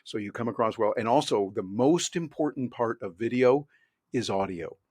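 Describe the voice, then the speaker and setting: A man talks over a video call as an interview guest. His mid-pitched voice is animated and conversational, and he often acts out quoted voices. The sound is close and dry. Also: normal speed, slightly rough, no room sound. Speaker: interview guest, professional speaker. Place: home office in Orlando. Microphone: webcam on a video call.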